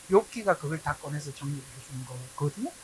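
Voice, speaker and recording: A man's voice over noticeable background noise. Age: 60s. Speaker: pastor. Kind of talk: sermon.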